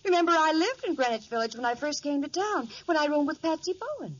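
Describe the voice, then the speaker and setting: An actress playing a spirited, argumentative young sister in a 1940s radio drama. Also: female voice, high voice, animated, fast. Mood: insistent. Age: young adult. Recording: noisy, dull 1940s radio recording.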